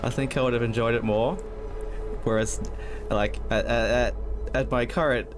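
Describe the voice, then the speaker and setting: A man's voice: mid-range voice, fairly even intonation, normal speed, background noise. A man giving casual, rambling let's play commentary as a streamer, often interrupting himself in a conversational way. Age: adult, past his teens. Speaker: video game streamer. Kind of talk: casual let's play commentary, reading game text aloud.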